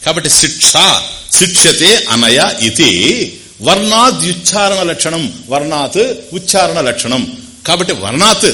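A man with a Telugu accent giving a discourse on scripture, explaining Sanskrit terms slowly and repeating phrases. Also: a little high, pushed and bright. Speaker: spiritual teacher.

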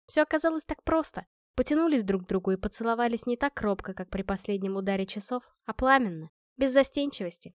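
A woman narrating an audiobook in a calm, even storytelling manner. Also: mid-range voice, no room sound, studio quality. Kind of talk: scripted narration.

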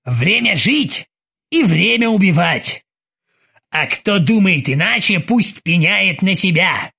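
A man's voice: high-pitched, sing-song, slow, vocal fry, pushed and bright, breathy edge, exaggerated voice. Man playing a dry, sarcastic captain. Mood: ironic. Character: dry, ironic male ship captain.

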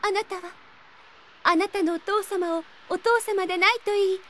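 A very high-voiced shy schoolgirl. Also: fairly even intonation, normal speed. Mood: nervous, longing. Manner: hesitant, softly formal, apologetic. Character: shy, polite, timid teenage schoolgirl. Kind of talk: Japanese audio drama acting.

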